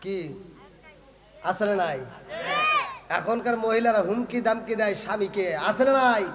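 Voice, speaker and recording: High-voiced preacher, echoing. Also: male voice, moderate pace, very noisy. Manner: emphatic, asks the crowd rhetorical questions. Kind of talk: sermon. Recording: echoey reverberant hall sound.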